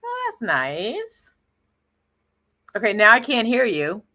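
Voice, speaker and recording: Bright, lively woman speaking slowly. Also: a little high. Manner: slow, warm-hearted, giggly, many affirming "yeah"s. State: tired. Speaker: tarot channel co-host. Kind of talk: casual live-stream chat.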